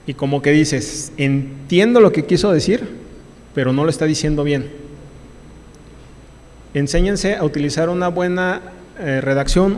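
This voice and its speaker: A man's voice: on the high side, in a large hall. A man with a Mexican accent, a labor lawyer, gives a university lecture in an emphatic, repetitive way, restarting often. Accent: Mexican Spanish. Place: lecture hall.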